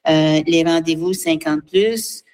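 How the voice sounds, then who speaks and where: Woman guest, low-pitched, earnest and halting. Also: darkish tone. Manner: earnest, halting, with many fillers. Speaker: guest, seniors' association representative. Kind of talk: radio interview, advocacy.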